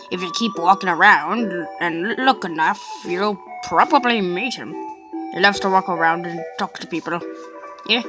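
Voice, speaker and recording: A woman's voice: mid-range voice, lightly acted. A woman voicing an easygoing, forgetful monster shopkeeper from a video game, rambling casually. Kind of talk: amateur video game character dub.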